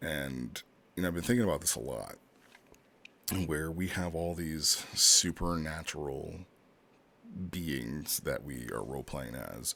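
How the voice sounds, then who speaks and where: A soft-spoken man with a very deep, low pitch has a bright, sharp tone and vocal fry. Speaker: roleplay review channel host. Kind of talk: commentary review monologue. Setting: home at night, family asleep nearby. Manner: soft-spoken, speaking low.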